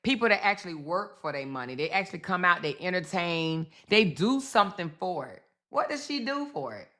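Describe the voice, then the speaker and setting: Woman, live-stream commentary host, bright tone, chatty and repetitive. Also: on the low side, sing-song, a little fast. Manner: chatty, calls viewers baby and girl, repeats phrases.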